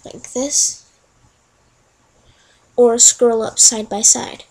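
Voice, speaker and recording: A young woman chatting through each click in a casual screen-recorded software tutorial. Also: fairly high pitch, level tone, drawn-out words, slightly rough, low-quality recording. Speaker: tutorial narrator.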